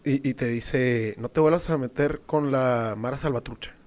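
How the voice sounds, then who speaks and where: A man's voice: medium pitch, moderate pace, a little mellow. Slangy young man telling a story. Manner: slangy, laughing, swearing often. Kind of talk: casual storytelling chat.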